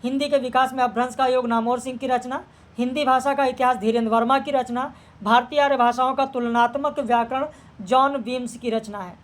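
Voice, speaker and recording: Brisk female exam tutor, high voice, even and level, reading out questions and answers. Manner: brisk, steady, matter-of-fact answer checking. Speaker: teacher.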